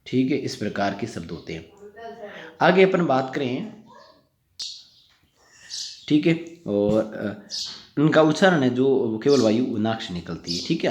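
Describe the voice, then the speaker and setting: A man's voice: mid-range voice, darkish tone. A man teaching a grammar lesson, asking his students questions and answering them himself, often repeating points. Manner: asks and answers his own questions, repetitive. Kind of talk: Hindi grammar lecture. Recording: echoey room, faint noise.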